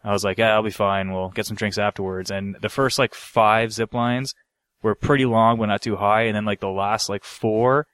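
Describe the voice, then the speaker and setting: A man's voice: fairly low pitch, fairly even intonation, moderate pace, fairly bright tone, clear, resonant tone, no room sound. A man co-hosting a podcast, telling anecdotes in a casual, slangy, rambling way with some swearing. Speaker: podcast co-host.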